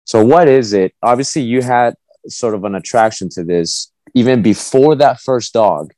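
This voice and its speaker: A man's voice: mid-range voice, moderate pace, darkish tone, dry recording. A man who grew up in South America, hosting an interview and asking loose, filler-heavy questions. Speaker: podcast host.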